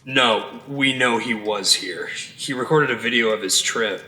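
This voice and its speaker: A man's voice: mid-range voice, unhurried, pushed and bright, husky. An actor playing a blunt, determined younger man in an audio drama, talking in a dry, matter-of-fact way. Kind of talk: naturalistic audio drama dialogue. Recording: noisy ambient sound bed.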